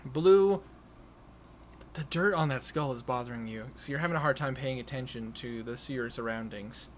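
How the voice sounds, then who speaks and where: A man improvising narration as game master of a tabletop game, haltingly repeating and restarting his phrases. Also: mid-range voice. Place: online voice call. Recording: noisy home voice-chat recording.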